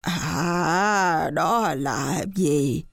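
A trickster monkey fakes a dead squire's ghost and speaks slowly, gravely and accusingly, as a woman puts him on. The voice drops a little lower. It sounds close and dry. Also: no room sound, exaggerated voice. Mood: eerie accusing.

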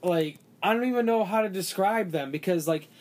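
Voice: medium pitch, fairly quick, a little mellow. Rambling podcaster saying "like" constantly. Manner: rambling, heavy use of "like", many restarts. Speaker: podcast co-host. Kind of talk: casual movie discussion.

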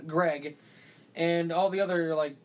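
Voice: mid-range voice, fairly even intonation, unhurried, darkish tone. Rambling podcaster saying "like" constantly. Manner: rambling, heavy use of "like", many restarts. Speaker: podcast co-host. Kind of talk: casual movie discussion.

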